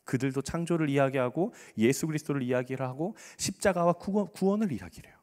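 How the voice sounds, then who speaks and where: A male pastor preaching a sermon in a church, animated, repeating words for emphasis and sometimes dropping to a whisper. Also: on the high side, fast. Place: church sanctuary. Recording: reverberant church hall.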